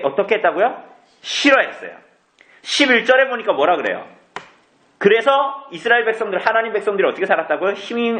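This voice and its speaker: Male pastor, high lively voice, roomy church echo, evening sermon, asks and answers his own questions. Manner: asks the congregation questions and answers them himself. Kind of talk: evening service sermon, Bible exposition. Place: church sanctuary.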